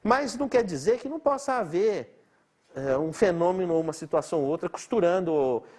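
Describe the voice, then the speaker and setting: A man's voice: high voice, expressive, fairly quick, darkish tone. A middle-aged man from Brazil giving a chatty, informal lecture, laughing often and asking his listeners rhetorical questions. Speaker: doctor lecturing.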